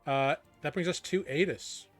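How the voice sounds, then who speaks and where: A man running a tabletop game as game master, narrating casually in halting, improvised descriptions. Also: fairly high pitch, no room sound, soft background music.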